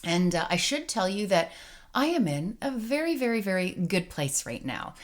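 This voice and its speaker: A woman's voice: mid-range voice, very animated, normal speed. A woman in her thirties, a teacher, talking casually and emotionally to her viewers in a rambling personal vlog with many fillers. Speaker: teacher and vlogger.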